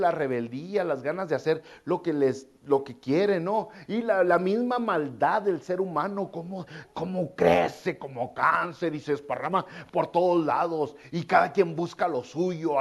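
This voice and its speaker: A man preaches from the pulpit, and his voice sits a little high for a man. His delivery is conversational, full of colloquial asides and repeated phrases as he builds a point. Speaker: pastor. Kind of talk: sermon.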